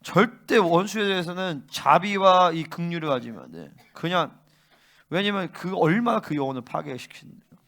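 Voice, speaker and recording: A male pastor preaching a fervent sermon and often pressing his listeners with quick questions. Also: a little high, expressive, creaky, fairly bright tone. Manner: fervent, keeps prompting listeners with "응?".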